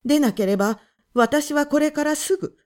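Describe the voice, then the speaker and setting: A woman's voice: high-pitched, normal speed, a little mellow, voice pushed up, natural voice. A woman voicing a thin, prim woman of about forty who speaks in a clipped, sharply indignant way.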